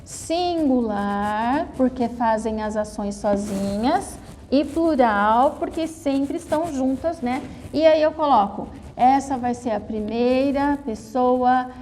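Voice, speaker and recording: A woman's voice: high-pitched, dark tone, long reverb tail, slight background noise. A Brazilian woman teaching a grammar lesson, explaining step by step and often checking in with her students. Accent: Brazilian Portuguese. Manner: explains slowly, repeating and checking with "né?" and "tá?". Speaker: Portuguese teacher.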